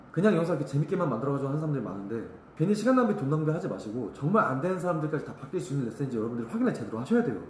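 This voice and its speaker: Blunt male vocal coach lecturing at a rapid clip in an echoey studio, voice a touch high. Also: darkish tone, a little hiss or hum. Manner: blunt, emphatic, sings short demo phrases. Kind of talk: vocal lesson talk to camera.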